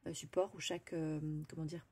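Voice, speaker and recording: A woman's voice: low voice, little pitch movement, brisk, darkish tone, husky. A woman presenting a craft-supply haul in a chatty, hesitant way, with frequent fillers and restarts. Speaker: craft vlogger.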